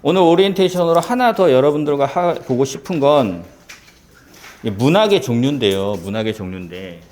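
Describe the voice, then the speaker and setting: Lively Korean lecturer, animated pitch. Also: male voice, a little fast. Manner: lively, asks many rhetorical check questions. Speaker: civil service exam Korean teacher. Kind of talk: classroom lecture.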